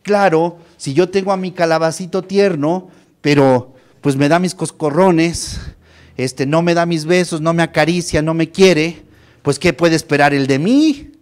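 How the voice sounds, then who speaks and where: A man with a Mexican accent giving a university lecture, animated, addressing students with rhetorical questions. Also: a little high, a little slow. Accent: Mexican Spanish.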